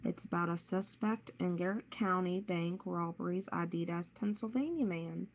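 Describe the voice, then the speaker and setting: A woman's voice: fairly low pitch, moderate pace. A woman co-hosting, reading a local newspaper story aloud. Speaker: co-host reading local news stories. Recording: muffled audio with faint noise.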